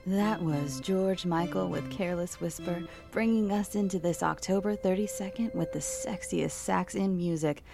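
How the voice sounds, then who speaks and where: A woman playing a calm, wry late-night local radio DJ with easygoing, intimate patter in an audio drama. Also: fairly low pitch, normal speed, gravelly, few pauses, music in the background.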